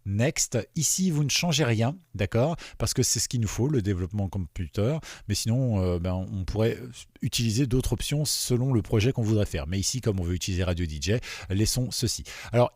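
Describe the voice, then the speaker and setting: A man walking viewers through a software installation in a casual, chatty way, often checking in with "d'accord?". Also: lowish voice, dry recording, studio quality. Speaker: webradio software tutor. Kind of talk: screen-recorded software tutorial.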